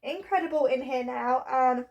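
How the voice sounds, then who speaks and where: A woman's voice: high voice, moderate pace, lo-fi sound. Bunged-up woman vlogging. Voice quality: bunged up, nasal. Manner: chatty and bubbly. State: congested with a cold; out of breath. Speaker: home vlogger. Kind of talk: cleaning vlog chat. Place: bedroom at home.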